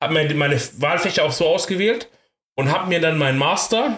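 This man talks extremely fast. His words come out at a very quick rate. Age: 30s. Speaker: podcast co-host. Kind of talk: casual chat.

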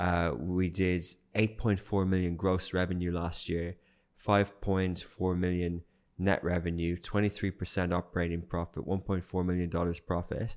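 In an Irish accent, a man talks at a moderate pace with a very deep, low pitch and monotone, flat intonation. His loudness stays very even on a very clean recording with a silent background. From southeast Ireland. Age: 30s. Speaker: media entrepreneur. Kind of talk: interview.

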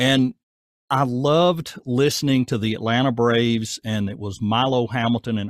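A man with an American accent speaks in an unremarkable speaking voice, his pitch medium and its variation ordinary. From US South. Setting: video call.

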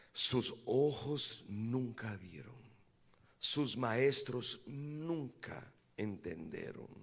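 Very slow speech in a Portuguese accent, with audible room echo. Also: man. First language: Portuguese (speaking Spanish). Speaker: pastor. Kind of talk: sermon. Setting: church.

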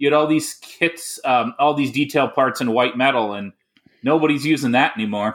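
On a very clean recording with a silent background, a man with a Canadian accent uses a normal speaking voice, fairly high in pitch, with ordinary pitch variation. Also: moderate pace. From Canada. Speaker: model show organizer, guest. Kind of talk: casual chat.

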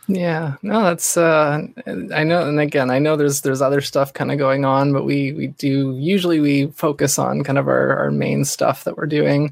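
A woman with a very deep, low pitch speaks at a moderate pace with hardly any pauses and ordinary pitch variation, against noticeable background noise. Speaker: talk show host. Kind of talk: casual interview.

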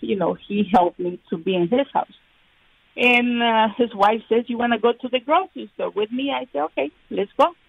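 With a Guatemalan accent, a woman speaks at a moderate pace in a fairly high pitch and lively intonation. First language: Spanish. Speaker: guest, immigrant and mother. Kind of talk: interview telling personal story. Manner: halting, hesitant.

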